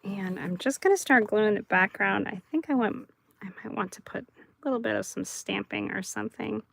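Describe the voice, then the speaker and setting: Soft-spoken woman with a gravelly edge. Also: medium pitch, normal speed. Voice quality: dry mouth. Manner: soft, chatty, laughs often. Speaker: craft livestream host. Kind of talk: casual crafting chat.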